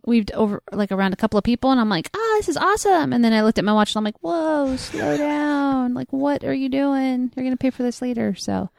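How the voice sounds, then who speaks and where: A woman's voice: high voice, lively intonation, a little fast, vocal fry, few pauses, a little mellow. A woman chatting casually and upbeat as a podcast co-host, with many likes. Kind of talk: casual chat recapping a race.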